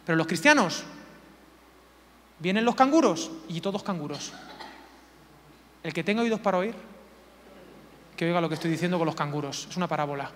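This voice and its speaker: A man's voice: on the high side, animated, brisk, pauses often, big-room sound, a little hiss or hum. A man preaching a sermon, emphatic and full of rhetorical questions, repeating key words for effect.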